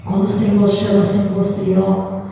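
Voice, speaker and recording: A woman's voice: mid-range voice, steady tone, moderate pace, dark tone, a little hiss or hum. A woman evangelist with a Brazilian Portuguese accent, preaching a sermon at an intercession meeting in a conversational way and often calling out to her listeners. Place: church hall. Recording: distant voice in an echoey hall.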